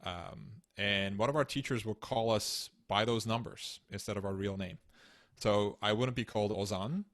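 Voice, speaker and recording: A man in his thirties from Turkey, explaining ideas in measured, earnest interview answers over a video call. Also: fairly low pitch, fairly bright tone. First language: Turkish. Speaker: guest author. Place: home room, indoors. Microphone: studio mic on stand, video call.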